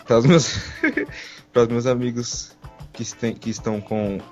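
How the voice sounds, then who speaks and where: A man boasts and teases the others on a casual podcast. His voice sits in a middle range and comes through a slightly dull mic. Music plays clearly behind him. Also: mid-range voice, flat delivery, moderate pace, a little mellow. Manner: boastful, teasing.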